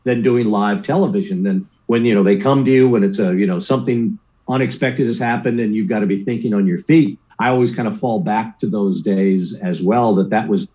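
A man in his sixties, a sports broadcaster, telling lively anecdotes in a casual interview, acting out the voices he quotes and often tagging lines with "right?". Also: on the low side, a little fast, few pauses, highs cut off.

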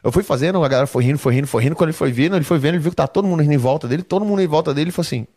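Comedian guest, young man, slightly high voice, rapid animated storytelling. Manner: animated anecdotes, heavy swearing. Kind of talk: casual podcast storytelling.

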